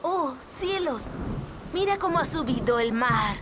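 A woman's voice: sits high, lively intonation, measured pace, background noise. A woman voicing a kindly elf mother in a Latin American Spanish cartoon dub. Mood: caring. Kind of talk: children's cartoon dub acting.

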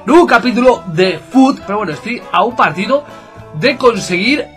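Young male gaming commentator, hyped and foul-mouthed, fairly high voice, game music underneath. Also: moderate pace. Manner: excitable, swears, talks to viewers as chicos. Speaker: gameplay commentator. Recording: game music playing loudly behind.

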